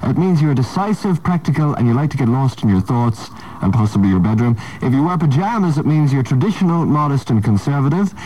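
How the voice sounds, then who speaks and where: A man's voice: medium pitch, expressive, fairly quick, dark tone, slight background noise, poor audio. An Irish man presenting on radio with casual chat and wry, rambling asides.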